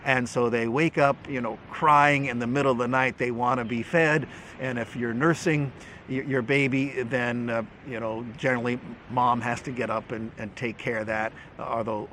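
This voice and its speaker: A man's voice: mid-range voice, little pitch movement, normal speed, fairly bright tone, slight background noise. A middle-aged man hosting a casual Bible teaching talk, folksy and humorous, often restarting his words and chuckling.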